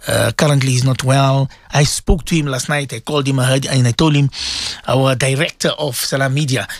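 A man's voice: mid-range voice, fairly even intonation, brisk. A middle-aged man hosting a religious radio show, talking to listeners in an emotional, pleading way and often repeating himself.

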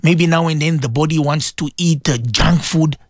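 A man's voice: a little high, moderate pace, no room sound, studio quality. A middle-aged man hosting a religious radio show, talking to listeners in an emotional, pleading way and often repeating himself.

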